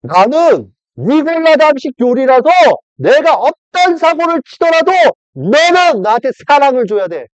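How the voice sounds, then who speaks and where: Man voicing a mocking Satan, high shrill sneer, singsong taunts, dry dull sound. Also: big pitch swings, unhurried, hardly any pauses, no echo, full character voice.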